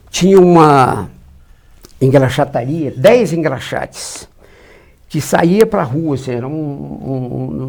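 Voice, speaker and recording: An older man with a Minas Gerais accent, telling long anecdotes in a dark, husky voice. He is a lively raconteur who acts out the lines of the people in his stories. He speaks as a guest on an interview show. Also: medium pitch. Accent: Minas Gerais Brazilian Portuguese. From São João del Rei, Minas Gerais, Brazil. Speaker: guest, journalist. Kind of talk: anecdotal storytelling.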